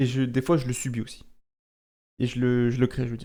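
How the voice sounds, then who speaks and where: This man's voice sits at a medium pitch. His tone is dark and mellow. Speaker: Pokémon card game commentator. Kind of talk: live commentary. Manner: animated.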